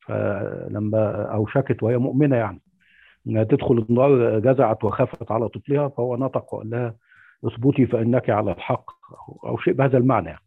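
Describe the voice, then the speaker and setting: A man's voice: mid-range voice, vocal fry, husky. A man with an Egyptian accent calling in with hesitant, filler-heavy questions over a phone-like line. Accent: Egyptian Arabic. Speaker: caller. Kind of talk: call-in question. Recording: tinny phone-like call line.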